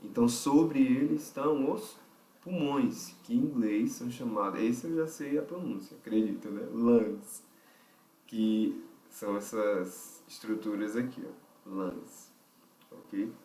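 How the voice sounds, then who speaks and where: A man's voice: medium pitch, slow pace, warm tone. Brazilian man teaching, roomy and distant. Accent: Brazilian Portuguese. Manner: explains step by step, checks himself aloud, frequent "né?" and "ok?". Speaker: vocal technique teacher. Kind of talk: online lesson explanation.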